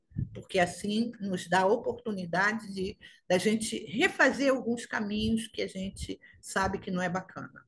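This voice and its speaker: At a fairly slow pace, a woman speaks with vocal fry. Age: 60s. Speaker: spiritist lecturer. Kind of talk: religious talk.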